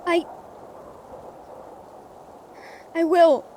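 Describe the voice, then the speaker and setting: Audio-drama author heroine, actress: high voice, earnest and defiant, emotional delivery, slight background noise. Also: female voice, steady tone, moderate pace. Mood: reluctant. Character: earnest, defiant female author facing her villain.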